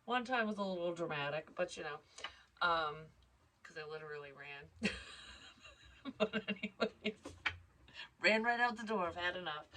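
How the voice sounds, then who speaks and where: A woman's voice: on the low side, fairly bright tone. A woman giving a casual psychic reading, stuffed up and congested, rambling and interrupting herself. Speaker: psychic tarot reader.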